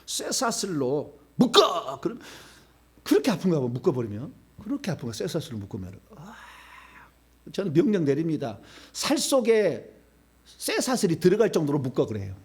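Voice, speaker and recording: A man preaching a charismatic sermon at a church prayer meeting, telling stories with sudden shouted commands. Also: on the high side, huge pitch swings, brisk, breathy edge. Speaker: pastor. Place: church sanctuary.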